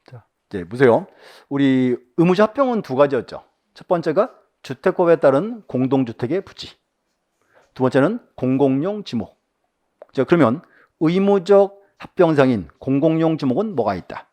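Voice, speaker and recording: Lively male lecturer quizzing his class. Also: fairly high pitch. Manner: reads questions aloud then quizzes listeners with quick rhetorical questions. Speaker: exam prep instructor. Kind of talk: lecture working through exam questions.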